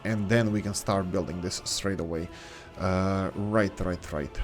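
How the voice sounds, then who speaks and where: Over soft background music, a gaming channel host with a low, fairly even voice talks at a measured pace. English isn't his first language, and his casual let's-play commentary wanders through asides and corrections as he thinks aloud while building.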